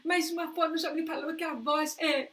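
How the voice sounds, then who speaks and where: A Brazilian woman hosts with a high-pitched voice and a bright, sharp tone. She talks in a chatty way, passing along comments from viewers. She speaks over a video call. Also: steady tone, normal speed. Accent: Brazilian Portuguese. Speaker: host. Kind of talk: live interview hosting.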